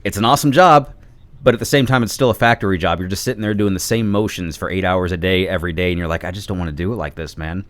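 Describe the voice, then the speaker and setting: A man's voice: low-pitched, fast talker, a bit bright, no room sound. A man chatting casually as a podcast guest, talkative and informal, rambling through his thoughts. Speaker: podcast guest, video creator.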